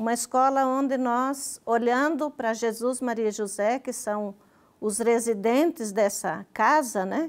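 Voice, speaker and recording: A woman speaks at a fairly slow pace, her fairly high voice showing ordinary pitch variation. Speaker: guest. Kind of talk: TV interview. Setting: TV studio. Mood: warm, calm explanation. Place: studio. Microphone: lapel.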